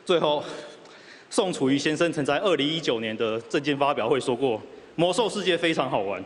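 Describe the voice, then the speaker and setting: A man's voice: a little high, expressive, brisk. A man with a Taiwanese Mandarin accent giving a mock-solemn acceptance speech as an award winner. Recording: noisy hall with crowd.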